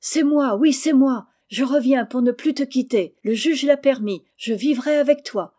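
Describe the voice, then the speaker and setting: Storybook orphan boy, impulsive and pleading, read by a woman, mellow tone. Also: a little high, normal speed, natural voice. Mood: excited. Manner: eager, pleading.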